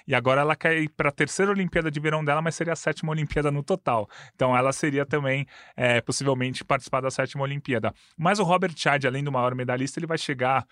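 A man in his thirties with a Brazilian Portuguese accent, talking sports in a casual chat, quick and full of stats. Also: fairly high pitch, fairly bright tone, no echo, studio quality. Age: 30s. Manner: quick, detailed stats-heavy talk. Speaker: sports commentator.

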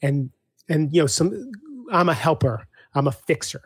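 A man speaking as a guest coach in a casual interview, animated, acting out back-and-forth dialogues with clients. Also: a little high, moderate pace, breathy edge, no room sound, clean studio sound.

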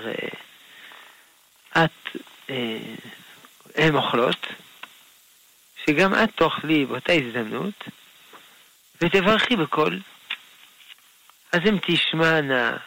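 A man, a rabbi, answering listener questions on a radio call-in show in a gentle, unhurried way. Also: on the high side, creaky, rough recording. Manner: gentle, unhurried, explains patiently with soft laughs.

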